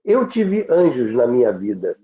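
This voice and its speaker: A man with a Brazilian accent, working as a radio history commentator, shares stories conversationally and reinforces points by repeating them and listing them out. His medium-pitched voice is very animated at a measured pace, heard through thin, phone-like audio with roomy echo.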